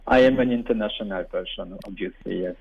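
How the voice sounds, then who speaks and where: On a phone line for a radio interview, a man in his forties talks fairly quickly in a low-leaning, husky voice. He was born in Burundi, speaks French natively with a French-speaking Belgian accent, and tends to repeat words as he hunts for the right ones.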